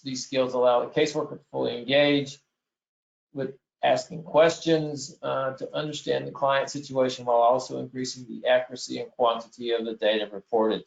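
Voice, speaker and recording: A man moderating a virtual meeting, speaking slowly and deliberately and reading out updates from the chat. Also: medium pitch, vocal fry. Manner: slow, deliberate, reads from chat. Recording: roomy, muffled call audio.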